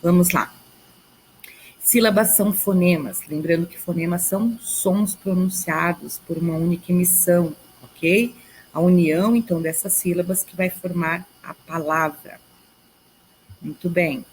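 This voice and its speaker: A woman's voice: fairly low pitch, steady tone, unhurried, darkish tone, slight background noise, poor audio. A woman with a Brazilian Portuguese accent teaching a recorded grammar video lesson, explaining step by step and checking in with her students.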